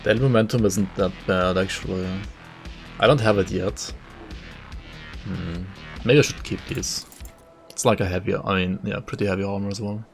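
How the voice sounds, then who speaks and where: Low-voiced man streaming a game. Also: steady tone, normal speed, gravelly, long pauses, soft background music. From Germany. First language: German. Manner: casual, thinking aloud, many "like" fillers. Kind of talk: live gameplay commentary, reading chat.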